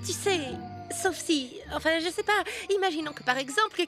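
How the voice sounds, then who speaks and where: A woman voicing a talkative young girl who puts on bravery in a children's cartoon, with an animated, chatty delivery. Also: extremely high pitch, moderate pace. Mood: uncertain bravado. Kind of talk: French children's cartoon dub. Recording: music playing behind the voice.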